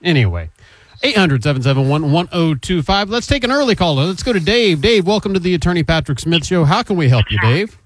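A man's voice: a little high, expressive, brisk, no echo. A man hosting a radio call-in show, easygoing and teasing with his cohosts. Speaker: radio show host, attorney. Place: radio studio.

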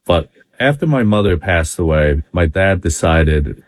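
A man from Vietnam with a very low voice tells his story as an interview guest. He talks in a loose, chatty way and leans on lots of fillers. The recording is dry, with almost no room sound. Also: animated, unhurried, dry recording. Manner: conversational, many fillers, chuckles now and then. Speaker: interview guest, business owner.

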